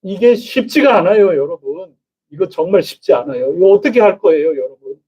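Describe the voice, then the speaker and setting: A pastor preaches to his congregation in a loose, conversational way, often stopping to ask them questions. His voice sits a bit high and sounds husky. The church recording is dull and lo-fi. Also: animated, fairly quick, warm tone. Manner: conversational, chatty, addresses congregation directly. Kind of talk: sermon. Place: church sanctuary.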